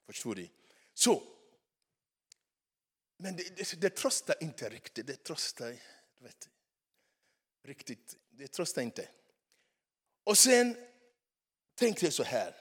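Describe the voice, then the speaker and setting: Male preacher, second-language speaker, halting and animated, slightly high voice, long hall reverb. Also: husky. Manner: halting, repeats words, animated. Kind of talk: sermon.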